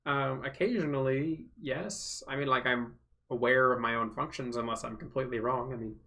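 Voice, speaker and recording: A man hosting a casual livestream from home, answering viewer questions and thinking aloud with many fillers, his voice going hoarse from talking so long. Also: medium pitch, steady tone, moderate pace, sharp tone. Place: home room.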